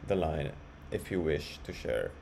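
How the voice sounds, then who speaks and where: A man presenting a casual software walkthrough, explaining step by step in a halting way. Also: very deep voice, sing-song, poor audio. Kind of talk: casual screen-share walkthrough. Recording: clearly audible background noise.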